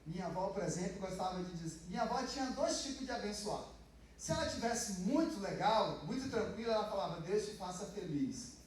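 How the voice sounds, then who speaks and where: Male pastor, Brazilian accent, high voice, chatty sermon delivery; distant mic in a very echoey church. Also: lively intonation, brisk, a little hiss or hum. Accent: Brazilian Portuguese. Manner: conversational preaching, acts out quoted blessings. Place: large church hall.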